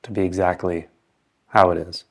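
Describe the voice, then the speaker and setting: Male meditation guide, low and steady with little pitch movement, calm short phrases and long pauses.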